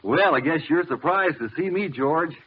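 An actor playing a polite, homespun country farmer cousin in 1940s radio style. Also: male voice, on the high side, expressive, moderate pace, breathy edge. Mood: polite, friendly. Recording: tinny old radio with faint noise.

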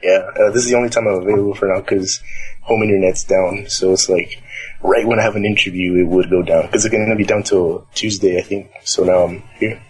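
A young man from the Los Angeles area, California, chats casually and ramblingly as an interview guest in a nearly empty library. His voice is deep and a little mellow, with a steady tone and a slightly fast pace, though the audio is poor.

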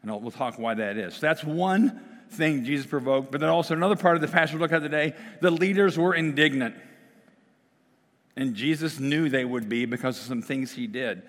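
A man's voice: on the high side, fairly quick, a bit bright. A middle-aged male pastor, slightly losing his voice, preaching and praying in a conversational way with fillers and restarts. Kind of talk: sermon with prayer. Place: church sanctuary. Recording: long reverb of a church hall.

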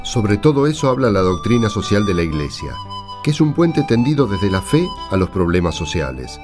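A man's voice: fairly low pitch, big pitch swings, moderate pace, over music. A man with an Argentine accent presenting on radio in a scripted, folksy announcing style.

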